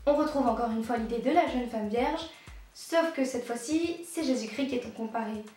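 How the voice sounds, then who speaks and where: A woman's voice: a little high, moderate pace, dark tone, faint music behind. A young woman explaining a history topic in a casual, playful way, with joking asides. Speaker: YouTube creator. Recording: very echoey room.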